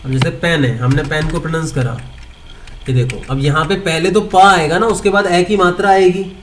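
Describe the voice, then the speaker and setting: Questioning teacher, slightly high voice. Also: male voice, fairly even intonation, moderate pace, a little hiss or hum. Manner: asks the class questions and answers them himself; mixes Hindi with English terms, repeats points. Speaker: English teacher. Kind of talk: online grammar lesson.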